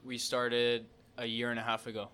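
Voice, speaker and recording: Bright, clear-voiced man in his thirties. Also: mid-range voice, moderate pace. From Mexico. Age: 30s. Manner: relaxed, plainspoken, repeats words when starting. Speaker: guest, real estate entrepreneur. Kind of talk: casual interview.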